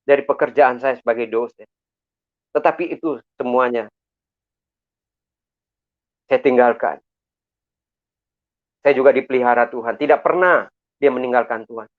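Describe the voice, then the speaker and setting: A middle-aged man from Makassar giving an earnest, preacherly church testimony, often calling out to his listeners. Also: medium pitch. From Makassar, Indonesia. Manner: earnest, preacherly, repeatedly addresses listeners as brothers. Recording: tinny phone-like sound.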